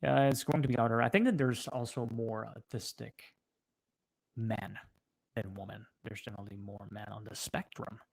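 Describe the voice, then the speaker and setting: A native French-speaking man with a French accent and a lowish, gravelly voice full of vocal fry. He talks casually as a livestream host answering viewers, halting and pausing partway through his sentences. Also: fairly even intonation, low-quality recording.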